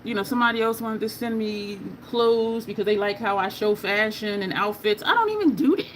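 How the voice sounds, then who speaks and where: A woman's voice: mid-range voice, lively intonation, brisk, slight background noise, low-quality recording. Chatty woman in her fifties, candid. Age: 50s. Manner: candid, chatty, reading viewer comments aloud. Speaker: makeup vlogger. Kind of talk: casual chat while doing makeup.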